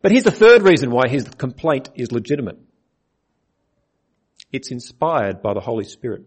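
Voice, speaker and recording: A man's voice: mid-range voice, very animated, moderate pace, husky. A man preaching a sermon on a Bible passage, earnest, putting questions to his listeners.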